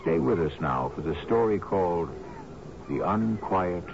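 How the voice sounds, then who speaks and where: An actor playing the solemn, brooding host of a radio mystery, narrating in a measured way with dramatic pauses. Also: male voice, low voice, lively intonation, background noise. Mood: measured, ominous. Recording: dull radio broadcast under music.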